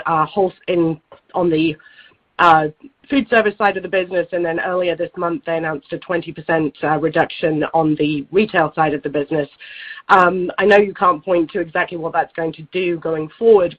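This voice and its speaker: A woman with a fairly low voice speaks as an analyst putting a question on a business call. She is courteous and thinks aloud with some hesitation. The line sounds a little muffled. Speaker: financial analyst asking a question. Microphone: telephone conference line. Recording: slightly dull phone-line sound.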